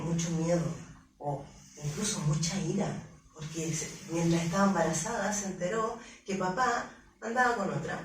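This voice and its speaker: A woman therapist lectures to a live audience. Her explanations come in patient steps, and she often asks the room for agreement. She is heard from far off in a strongly reverberant hall, with faint noise underneath. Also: fairly low pitch. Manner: explanatory, checks in with frequent "¿ya?"; acts out quoted voices of parents and others. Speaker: coach and emotional therapist giving a conference. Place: conference venue. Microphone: distant from the microphone.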